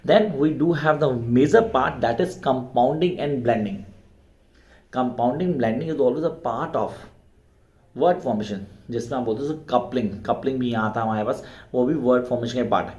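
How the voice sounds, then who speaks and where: A man's voice: mid-range voice, darkish tone. Echoey Hindi-exam tutor, man. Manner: mixes Hindi and English, repeats key terms slowly. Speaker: teacher. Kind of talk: exam preparation lecture.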